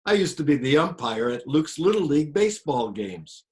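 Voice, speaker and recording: A man playing a quiet grieving old grandfather. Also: fairly high pitch, big pitch swings, moderate pace. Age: older. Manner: quiet, subdued storytelling. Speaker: actor. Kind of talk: one-man stage play monologue.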